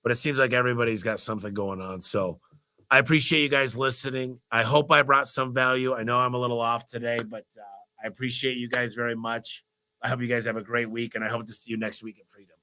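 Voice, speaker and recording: A man hosting a live business Q&A, talking in an energetic, motivational, rambling way while congested with a cold. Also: medium pitch, fast, poor audio. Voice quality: stuffy, nasal. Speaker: host of a business Q&A livestream. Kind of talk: live Q&A answering viewer questions.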